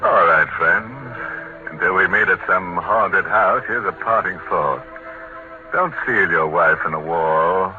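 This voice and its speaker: A man hosting an old radio mystery show in a very low, unhurried drawl. He is mock-sinister and full of puns. The sound is a muffled 1940s broadcast with music behind him. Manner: slow, punning, mock-sinister chuckling. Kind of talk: tongue-in-cheek macabre sign-off.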